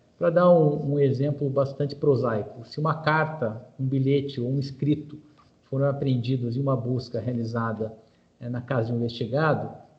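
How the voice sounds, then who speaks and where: Audible room echo surrounds a man talking at a moderate pace in a fairly high voice. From Brazil. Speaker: lawyer. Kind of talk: webinar presentation.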